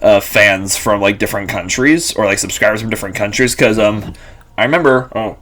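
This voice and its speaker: A man's voice: lowish voice, a little fast, fairly bright tone. A young man in his twenties rambling casually to camera, full of fillers and restarts. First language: Lithuanian and English bilingual. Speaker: vlogger.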